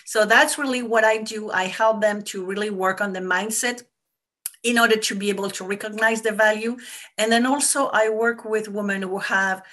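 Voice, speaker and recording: A woman's voice: mid-range voice, fairly even intonation, moderate pace, bright, forceful tone. A woman with a French accent, a business coach explaining her work in an earnest, repetitive way. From France. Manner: earnest and explanatory, stresses points by repeating them. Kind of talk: casual interview answers.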